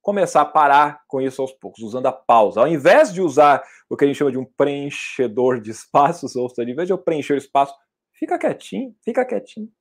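A man, a public speaking trainer, answering questions in a lively, emphatic way with sudden loud outbursts. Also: medium pitch, quick pace, few pauses. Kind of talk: casual teaching, answering audience questions.

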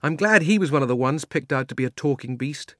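A man's voice: medium pitch, expressive, fast, a bit bright, no room sound, studio quality, pitched above the performer's own voice. A man voicing a young girl who speaks in a light, hesitant way. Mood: timid. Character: young girl, timid but kind.

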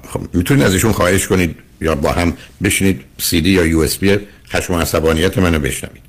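Older guy, low husky voice, radio counselor lecturing a caller, earnest. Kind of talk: call-in counseling advice.

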